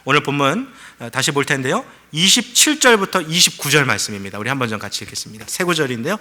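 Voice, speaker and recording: A man's voice: medium pitch, big pitch swings, fast, pushed and bright. A middle-aged male pastor preaching a sermon, telling a story with acted-out quotes and rising to fervent pleas.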